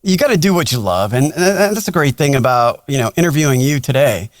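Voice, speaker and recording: A man's voice: medium pitch, lively intonation, fairly quick, dry recording. A man hosting a podcast, interviewing in a casual, chatty way. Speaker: podcast host.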